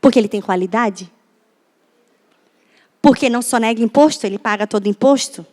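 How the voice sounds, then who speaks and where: High-voiced woman preaching in an echoey hall. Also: a little fast, a little mellow. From Brazil. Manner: conversational preaching, often asking the audience questions. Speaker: pastor. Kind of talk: sermon. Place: church.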